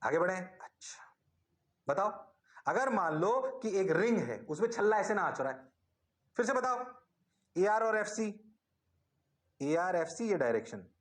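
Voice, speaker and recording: A physics teacher runs an online class in a bright, high voice, energetic and coaxing as he repeats his questions until students respond. He speaks at a measured pace with frequent pauses, and the room echoes.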